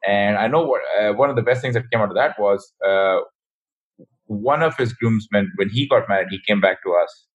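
A man's voice: on the low side, breathy edge, highs cut off. A man with a South Asian English accent, a business founder telling stories in a casual interview, rambling and restarting. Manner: fast, rambling, frequent restarts. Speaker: guest, ecommerce founder.

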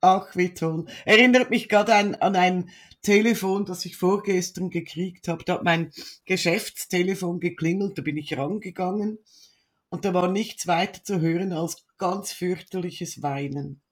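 A woman co-hosting a casual talk, reacting warmly and telling a story with lively expression. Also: on the low side, normal speed. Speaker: visualization coach, podcast co-host. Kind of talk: casual chat.

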